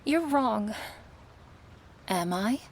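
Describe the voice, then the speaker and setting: Woman whispering asmr as a flower shop lady, slow, bit of vocal fry, faint hiss behind. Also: medium pitch, expressive. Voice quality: soft breathy whisper. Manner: friendly, softly welcoming. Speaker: ASMR roleplay performer as flower shopkeeper.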